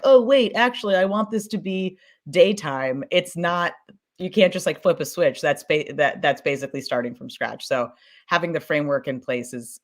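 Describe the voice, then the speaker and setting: This fiction podcast creator, a woman with a deep voice, is taking part in a relaxed panel conversation. Her delivery is informal, emphatic, and full of enthusiasm.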